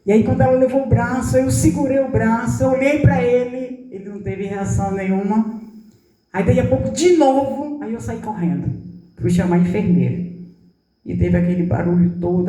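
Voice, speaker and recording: Uma apóstola idosa, com sotaque nordestino do Brasil, prega um testemunho terno e emocionado. Sua voz é muito grave e suave, e soa distante, captada do fundo de uma igreja com eco. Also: female voice, mid-range voice. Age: 70s. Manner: tender storytelling, acting out quoted dialogue, voice dropping soft. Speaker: apostle preaching. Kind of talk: emotional testimony in a sermon. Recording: roomy hall, voice from a distance.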